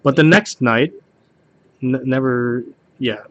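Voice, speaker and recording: A man reads jokes aloud in a casual, homemade style. His voice sits at an average pitch, and he trips on the wording now and then, going back to reread a line. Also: takes it slowly, dry recording, highs cut off. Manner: stumbles over the text and rereads lines. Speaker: joke reader hosting a home video.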